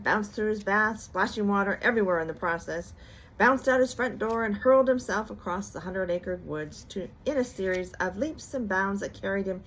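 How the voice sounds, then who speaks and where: A woman's voice: mid-range voice, a little hiss or hum, poor audio. An older woman reading a children's bedtime story aloud as a storyteller.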